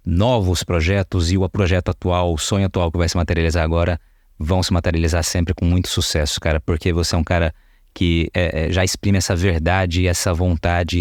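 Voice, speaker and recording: A man's voice: deep voice, no echo, clean studio sound. A man hosting a podcast, closing the interview with casual praise for his guest. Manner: warm praise, casual address with "cara". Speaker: podcast host.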